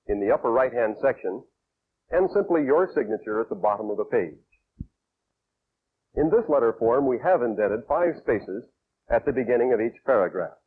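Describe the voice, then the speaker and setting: A man's voice: medium pitch, narrow, tinny audio. An American man with a mid-range voice comes through a thin, band-limited old film soundtrack from the 1960s. He works as an instructor, laying out a demonstration step by step. His delivery is methodical and explanatory, addressed straight to the viewer. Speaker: instructor and presenter of a training film.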